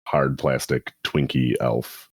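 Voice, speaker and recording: A man's voice: extremely low pitch, steady tone, slow pace, husky, no echo, clean studio sound. A man co-hosting a podcast, riffing wryly in casual chat. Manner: wry, rambling riffs. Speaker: podcast co-host.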